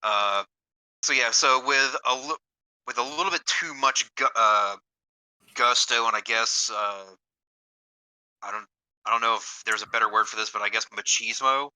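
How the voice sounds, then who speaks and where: A man playing a tabletop game, describing his character in a halting, think-aloud way. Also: medium pitch, pushed and bright, clean tone, no room sound, poor audio. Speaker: player.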